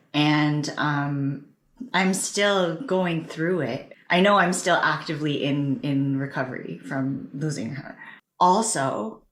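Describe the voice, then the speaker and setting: A Canadian woman speaks as a panelist, telling a personal story. Her voice is low and she takes her time, with a clearly roomy echo around it. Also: a bit bright. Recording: roomy, echoing sound.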